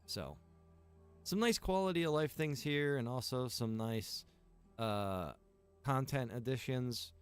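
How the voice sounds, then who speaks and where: A man's voice: medium pitch, takes it slowly, clean tone, faint music behind. A man who runs and develops a game server, chatting casually on a livestream, rambling with lots of fillers and listing features one by one.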